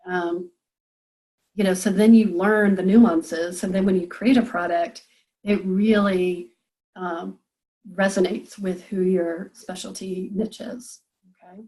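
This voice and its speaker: A woman's voice: medium pitch, fairly even intonation, takes it slowly, dark tone, poor audio. A woman business coach leading a group coaching call, encouraging and thinking aloud with frequent fillers.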